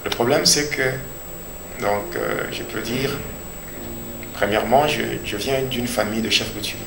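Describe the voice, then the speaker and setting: A man with a Congolese accent giving a personal religious testimony as a pastor, speaking deliberately and repeating phrases for emphasis. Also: mid-range voice. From Democratic Republic of the Congo. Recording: echoey room with clear background noise.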